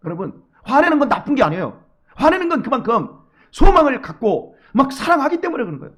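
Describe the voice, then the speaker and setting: A middle-aged male pastor giving an early-morning sermon, speaking straight to his congregation with many rhetorical questions, dropping to quiet asides and rising to loud urging. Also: very high voice, very animated, quick pace. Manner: emphatic, swings from hushed asides to loud exhortation.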